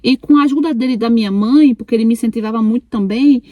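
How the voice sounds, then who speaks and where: A woman's voice: fairly high pitch, quick pace, mellow, no room sound. Chatty young woman telling a story. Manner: chatty, addresses listeners as "gente", many repetitions. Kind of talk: first-person story narration.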